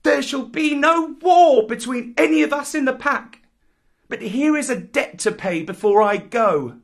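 A man's voice: very high-pitched, measured pace, vocal fry, pitched above the performer's own voice, full character voice. A man voicing a proud young jungle boy in a storybook, defiant and commanding, with declamatory archaic speech. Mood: proud, bitter. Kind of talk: dramatic storybook reading.

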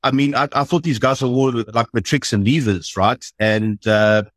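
A man's voice: medium pitch, normal speed, a bit bright, no room sound. A man, a rugby analyst who talks in a chatty, self-deprecating way in a podcast discussion.

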